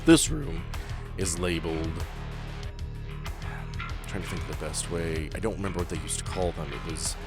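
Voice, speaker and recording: A man running a tabletop roleplaying game as game master, improvising the narration in a dramatic, deliberate way with pauses. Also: deep voice, expressive. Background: guitar-led music bed.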